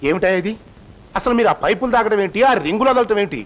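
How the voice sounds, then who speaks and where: A man's voice: high voice, animated, fast, fairly bright tone, dull audio. An actor playing a fussy, nagging man in a film comedy.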